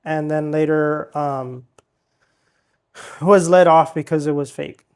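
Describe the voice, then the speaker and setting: A man's voice: a little high, takes it slowly, smooth. A man hosting a podcast, casually reading out news stories with plenty of ums and uhs. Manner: relaxed, reads headlines with filler ums and uhs.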